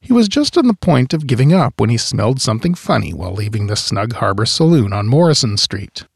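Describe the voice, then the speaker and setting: A man's voice: medium pitch, very animated, brisk, vocal fry, slightly rough, no echo. A man telling a local history tale in scripted narration, with wry, dry humorous asides. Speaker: history podcast host.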